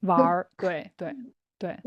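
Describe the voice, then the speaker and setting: A woman's voice: lowish voice, flat delivery, takes it slowly, no room sound, highs cut off. Young beijing woman teaching chinese, laughs a lot, dry voice no room. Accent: Beijing Mandarin. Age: young adult. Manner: chatty, breaks into laughter, restarts phrases. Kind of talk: casual explanatory chat for learners.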